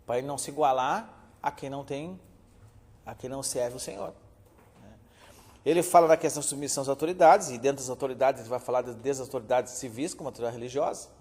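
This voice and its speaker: Man, a pastor giving a Bible lesson, earnest and conversational, medium pitch, in a reverberant hall. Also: a little mellow. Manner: earnest, addresses listeners as brothers, many filler "né". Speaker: pastor teaching a theology class. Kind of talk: classroom Bible lecture.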